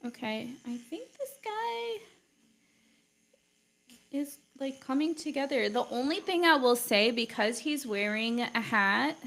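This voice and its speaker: Drawing live on stream, a young art teacher chats loosely and rambles, filling her speech with "like," and English isn't her native language. Her fairly high voice is gravelly with heavy fry, somewhat bright and sing-song, and she takes it slowly.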